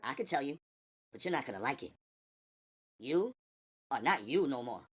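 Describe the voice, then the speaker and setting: A man voicing a weary, knowing superhuman woman who speaks in measured, terse lines. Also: mid-range voice, big pitch swings, fairly bright tone, husky, voice pushed up. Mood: cryptic. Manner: measured, terse and matter-of-fact. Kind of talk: audiobook character voice.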